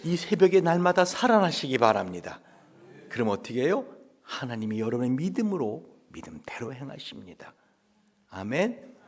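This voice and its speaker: Animated pastor preaching. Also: male voice, normal speed, slightly rough. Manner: animated, acts out quails and children in high voices; asks the congregation questions constantly. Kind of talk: dawn revival sermon. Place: church sanctuary.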